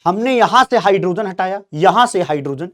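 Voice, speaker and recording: A man teaching chemistry in an exam-prep lecture, animated, prodding students with questions and speaking for the molecules in first person. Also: high voice, a little fast. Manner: acts out molecules in quoted first-person voices.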